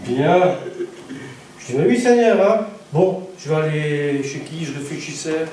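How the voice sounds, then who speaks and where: A man preaching a sermon in a church, telling a personal story in an animated way and acting out the voices of the people in it. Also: on the high side, unhurried, a little hiss or hum. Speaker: evangelist preacher. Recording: echoey church hall from a distant mic.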